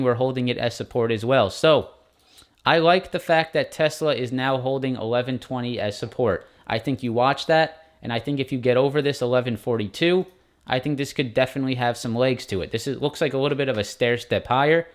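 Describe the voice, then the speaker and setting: Man, market live stream host, informal, fast run-through of charts. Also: medium pitch. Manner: quick, informal, addresses viewers as guys. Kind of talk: casual chart walkthrough.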